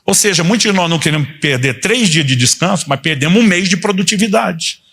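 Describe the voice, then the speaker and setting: A man's voice: sits high, animated, a little fast, vocal fry, a bit bright, husky. A man in his fifties, a pastor giving a conversational sermon and acting out quoted dialogue as he tells stories. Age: 50s.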